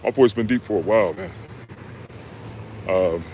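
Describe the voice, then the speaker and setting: A young man from the United States, a fitness coach answering viewers' questions on a live stream in a relaxed, slangy way. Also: lowish voice, moderate pace, slight background noise. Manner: laid-back, slangy, talks straight to viewers with "y'all" and "man". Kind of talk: live stream Q&A, reading chat comments.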